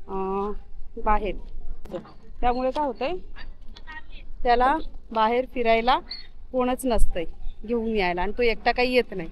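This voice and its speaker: A woman's voice: a little high, a little hiss or hum. A woman vlogging casually as she walks her dog outdoors on an open hillside, talking in a chatty way with lots of fillers. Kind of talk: casual vlog chat.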